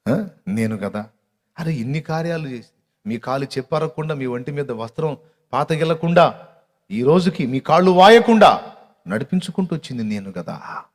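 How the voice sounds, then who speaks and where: A man's voice: fairly high pitch, animated, moderate pace, pauses often, long reverb tail. A man preaching a sermon voices God as a grieved, mighty male deity who reproaches his people with a stream of rhetorical questions. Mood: solemn.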